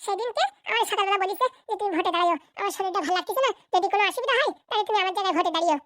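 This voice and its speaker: A performer voicing a scheming, bossy cartoon mother in colloquial Bengali-accented speech, pushy and scolding, with a pitched-up effect. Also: racing, fairly bright tone, no room sound, clean studio sound. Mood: pushy, persuasive. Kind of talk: Bengali comedy cartoon voice acting with pitch-shifted voices.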